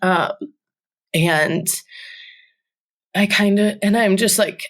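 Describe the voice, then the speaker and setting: A woman's voice: mid-range voice, slow. A woman in her twenties, a podcast guest telling a personal story in a conversational way, often saying "like" and "um". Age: 20s.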